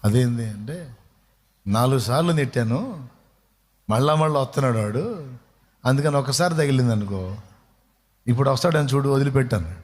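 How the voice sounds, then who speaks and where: Male pastor preaching, tells stories and throws questions at the crowd, mid pitch, long hall echo. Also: expressive, normal speed, pauses often, darkish tone. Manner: storytelling preacher who asks the listeners rhetorical questions. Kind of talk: sermon.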